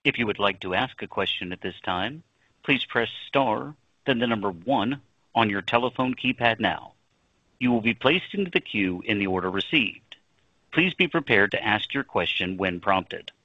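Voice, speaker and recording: A man's voice: fairly low pitch, lively intonation, normal speed, sharp tone, no room sound. A male conference call operator reading scripted instructions in a formal manner. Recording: dry, slightly dull call audio.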